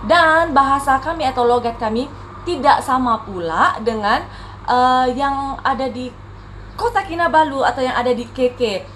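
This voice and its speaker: A woman's voice: high voice, normal speed, fairly bright tone, a little hiss or hum. Chatty woman with a Tawau Sabah accent. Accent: Tawau Sabah Malay, Indonesian-tinged. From Sabah, Malaysia. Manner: chatty, rambling, frequent fillers and self-corrections. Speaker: vlogger. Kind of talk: casual chat to camera.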